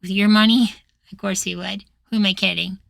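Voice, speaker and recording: A man voicing a cheerful, naive young boywife in an intimate ASMR roleplay, soft, doting and chatty. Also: sits high, steady tone, a little fast, vocal fry, dry recording, clean studio sound, heavily acted. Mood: affectionate.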